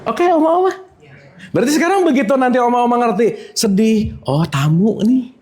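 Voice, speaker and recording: An extremely high-pitched religious teacher speaks at normal speed in a relaxed spiritual lesson for a live audience. Lively and full of wide pitch swings, he repeatedly tests the audience with questions.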